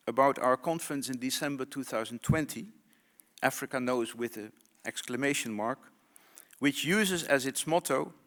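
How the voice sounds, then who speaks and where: A man who is one of the conference organizers, giving deliberate, formal welcoming remarks and announcements. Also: medium pitch, sharp tone. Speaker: conference organizer, institute director. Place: conference hall.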